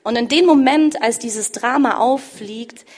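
A woman preaching, retelling a scripture story emphatically, swinging between loud stress and hushed endings. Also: a little high, a little slow.

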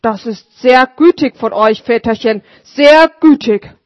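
A woman doing a raspy old street sweeper. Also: on the high side, a little slow, no room sound, natural voice. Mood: grateful. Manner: humble, grateful. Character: poor old male street sweeper, humble. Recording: dull lo-fi recording.

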